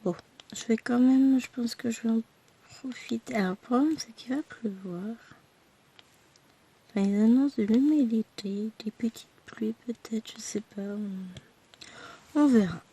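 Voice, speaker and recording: A woman vlogger with a hoarse voice from a throat infection, chatting to her viewers in a rambling, tired, self-deprecating way. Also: a little high, measured pace, pauses often, warm tone, poor audio. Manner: speaks tired and worn out. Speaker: crafting vlogger. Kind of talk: chatty personal update to viewers.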